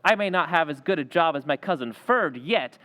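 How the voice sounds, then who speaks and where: A man's voice: on the high side, lively intonation, brisk, pushed and bright. A man acting in an old-time radio drama as a jealous, defensive young working-class guy who talks in tough slang, recorded in an echoey hall. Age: young adult.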